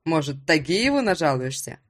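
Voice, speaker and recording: A woman voicing a smug, mocking father who has been drinking, in a low drawling voice. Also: very animated, normal speed.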